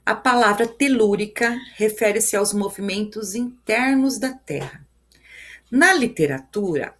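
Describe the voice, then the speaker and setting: Brazilian woman teaching step by step. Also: mid-range voice. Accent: Brazilian Portuguese. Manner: explains step by step, counts syllables aloud, tags lines with "né?" and "ok?". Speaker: Portuguese teacher. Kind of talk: live review lesson.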